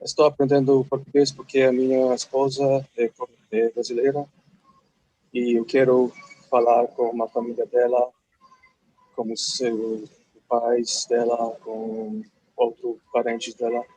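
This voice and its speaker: A man's voice: medium pitch, level tone, measured pace, warm tone, slightly rough, no echo, low-quality recording. A man from Poland with a Polish accent, introducing himself carefully as a language student. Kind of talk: self-introduction in a foreign language.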